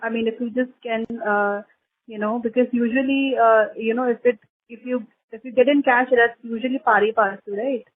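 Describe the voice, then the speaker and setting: A woman with an Indian accent asking questions as an analyst on a conference call, halting and repeating herself as she probes. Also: a little high, steady tone. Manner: halting, repetitive, probing. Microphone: telephone conference call. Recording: tinny narrow phone line.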